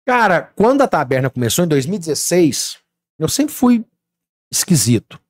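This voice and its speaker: A man's voice: a little high, moderate pace, no room sound, clean studio sound. A man, a podcast guest telling stories and acting out what people said. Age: 30s. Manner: animated storytelling, acts out dialogue. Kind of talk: casual podcast chat.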